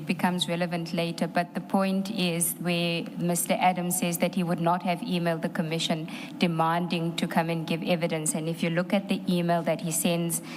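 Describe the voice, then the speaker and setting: Speaking at a fairly quick pace with hardly any pauses, a woman with a fairly low pitch keeps her intonation fairly even over noticeable background noise. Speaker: evidence leader advocate. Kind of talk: legal proceedings. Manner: fast.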